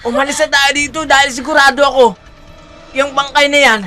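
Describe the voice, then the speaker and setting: A man voicing a brave, bossy village child in a horror audio drama, shouting warnings and scolding. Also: very high voice, little pitch movement, fairly quick, full character voice. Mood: matter-of-fact.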